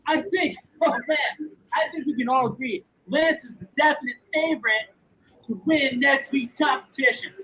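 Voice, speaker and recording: A man's voice: very high-pitched, normal speed, sharp tone, rough recording. A man delivering sarcastic mock praise in a comedy video.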